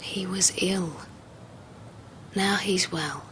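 An actress playing a psychiatrist who speaks calmly and patiently. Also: female voice, on the low side. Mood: measured, gentle. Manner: calm, measured, explaining patiently. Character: calm, measured female psychiatrist, middle-aged. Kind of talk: television drama acting. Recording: noisy TV soundtrack.

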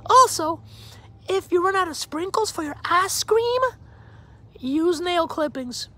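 Casting: a man doing a shrill, drawling Savannah Southern lady with a goofy, mock-earnest delivery. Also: lively intonation, slow, bright, forceful tone, full character voice. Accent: put-on Savannah Southern. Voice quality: high falsetto, drawling.

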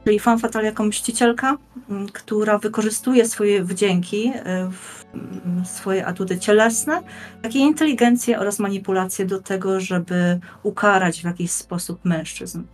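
A young woman giving a measured, articulate explanation in formal wording, as a guest in a podcast discussion. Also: medium pitch, steady tone. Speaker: guest panelist on a role-playing games show. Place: indoors, plain room, video call. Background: music.

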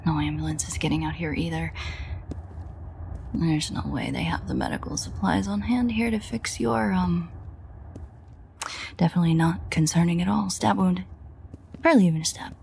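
Casting: actress as frantic, swearing vampire woman for audio drama, low register, halting and breathy, in a reverberant, echoey space. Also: darkish tone. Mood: anxious, flustered. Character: frantic, foul-mouthed female vampire caring for wounded companion. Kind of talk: audio roleplay, intimate dramatic monologue. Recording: echoey reverberant sound, storm noise behind.

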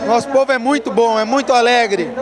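Very high-pitched man at noisy event. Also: a little fast. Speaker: interview guest from local radio. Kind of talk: promotional interview answers. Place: outdoor rodeo at night. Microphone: handheld interviewer microphone. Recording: music and crowd behind.

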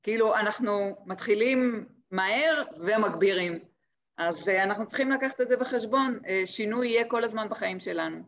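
A woman's voice: medium pitch, fairly bright tone, highs cut off. A woman who has written a book, speaking eagerly in an online panel discussion over a video call.

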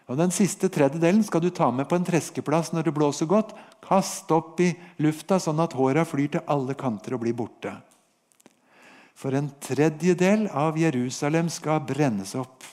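A man's voice: on the high side, a little mellow. A man with a Norwegian accent teaching the Bible on a podcast, retelling a prophet's story in a vivid, storytelling way and voicing God's words.

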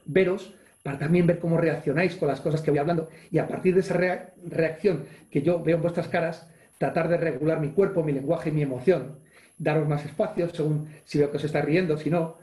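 Energetic Spanish coach in an echoey room. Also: male voice, on the high side. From Spain. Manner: energetic, acts out gestures and exclamations, reads chat questions aloud. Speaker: coach and webinar speaker. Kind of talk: live online leadership webinar. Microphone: video call.

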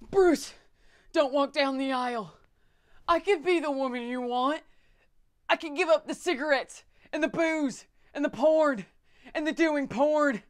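A woman's voice: high-pitched, measured pace. A woman playing a hard-living, trashy bartender, pleading desperately in lists in a comedy monologue.

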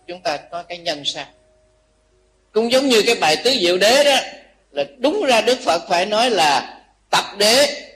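Older monk. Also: male voice, high-pitched. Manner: lively storyteller, asks the audience questions. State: tired. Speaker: Buddhist monk preaching. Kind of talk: dharma talk with storytelling. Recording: faint background noise.

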